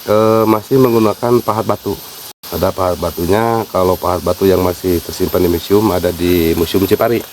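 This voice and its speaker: Low-voiced Sundanese man guiding outdoors. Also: steady tone, darkish tone, slight background noise, rough recording. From West Java, Sundanese. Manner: unhurried, hesitant with fillers, explains at length. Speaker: site caretaker and guide. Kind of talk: casual explanatory interview. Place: outdoors at a wooded sacred site.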